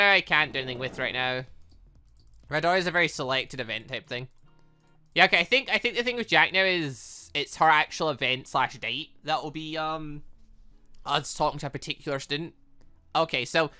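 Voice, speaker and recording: A man hosts a gaming video with a bright, punchy voice that jumps around in pitch. He rambles and reasons out loud as he plays, over soft background music. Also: expressive, normal speed, clean tone. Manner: rambling, thinks aloud. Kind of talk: let's-play commentary mixed with reading dialogue aloud.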